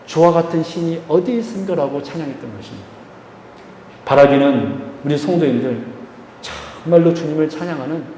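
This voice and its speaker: A man preaching a sermon as pastor, stressing phrases slowly and leading the congregation in call-and-response. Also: a little high, mellow, slight background noise. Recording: echoey church hall, faint ambience.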